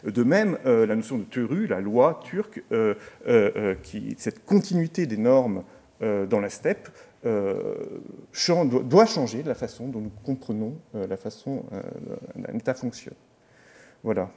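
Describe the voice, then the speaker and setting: A man giving an academic seminar talk, halting, with many fillers and repeated phrases. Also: medium pitch, expressive, warm tone. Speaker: seminar speaker.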